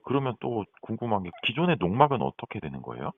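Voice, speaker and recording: A man on a phone call with his voice shifted deep by a voice changer, asking quick probing questions of an official. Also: big pitch swings. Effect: voice pitch-shifted deep by a voice changer. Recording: tinny, dry phone line.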